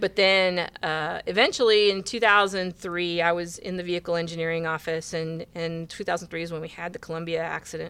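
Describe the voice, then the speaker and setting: A woman's fairly low voice with a bright, sharp tone, moderate in pace and fairly even in intonation, with hardly any pauses, on a very clean recording against a silent background. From US Midwest, Indiana. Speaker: engineering director. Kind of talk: interview.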